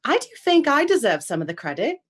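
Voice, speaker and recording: An actress playing a chirpy, chatty household maid who is pleased with herself, in a radio play. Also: female voice, sits high, sing-song, quick pace. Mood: chirpy, proud. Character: chirpy, self-satisfied female household maid. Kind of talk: theatrical radio drama acting.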